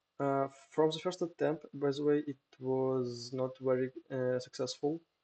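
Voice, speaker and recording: A fairly slow, monotone delivery with flat intonation and a non-native accent. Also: man. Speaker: game lead at a mobile game studio. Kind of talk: conference talk presentation. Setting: online event recording with some audio issues. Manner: hesitant, many filler sounds.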